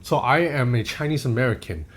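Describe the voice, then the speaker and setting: Man in his thirties, tech reviewer, casual chat, candid, loose swearing, mid-pitched voice. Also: animated, a little fast. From Hong Kong.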